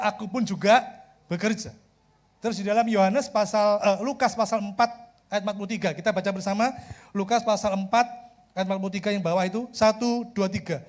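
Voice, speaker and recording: A middle-aged male pastor with a Javanese accent preaching in a lively, humorous way. He keeps slipping into the voices of the people he quotes. His voice sits fairly high for a man. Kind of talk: sermon.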